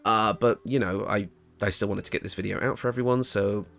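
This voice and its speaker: A man giving a casual, conversational video game guide, with a slightly raspy voice, a little hoarse from being under the weather. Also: lowish voice, steady tone, fairly quick, fairly bright tone. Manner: informal, conversational. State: getting over an illness, slightly hoarse. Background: background music.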